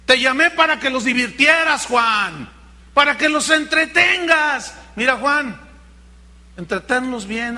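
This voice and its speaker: A preacher putting on a sarcastic scolding master. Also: male voice, very high-pitched, pushed and bright, exaggerated voice. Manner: ironic, scolding, teasing. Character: sarcastic man mocking a preacher, mock Messiah.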